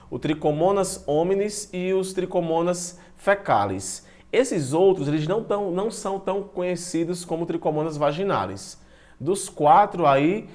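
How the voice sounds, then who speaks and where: A man's voice: a little high, a little mellow. A man teaches an online class. He talks to students directly and informally, moving between reading slides and adding comments. He is prone to stumbling and restarting on long technical terms. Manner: stumbles and restarts over long technical words, self-deprecating; chatty, addresses students directly.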